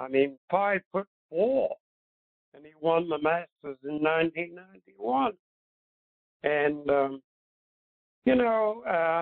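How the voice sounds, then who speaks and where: A man's high-pitched voice with lively intonation, big swings in loudness, and long, frequent pauses. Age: 80s. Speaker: retired golf broadcaster. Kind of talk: casual interview chat.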